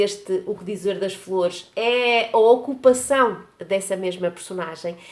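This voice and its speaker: Her pace is fairly slow. The woman's pitch shows ordinary variation. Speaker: book youtuber. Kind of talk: book review vlog. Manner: halting, many fillers.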